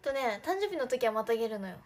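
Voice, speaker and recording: Young woman, livestream host, casual chatty, giggly, breathy, a bit high-pitched. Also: very animated, quick pace. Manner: chatty, giggly, talks to viewers' comments.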